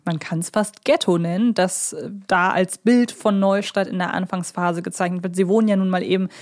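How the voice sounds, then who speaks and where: A woman's voice: on the low side, fairly even intonation, moderate pace, darkish tone. Woman chatting as a podcast co-host. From Hamburg, Germany. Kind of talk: casual conversational podcast discussion.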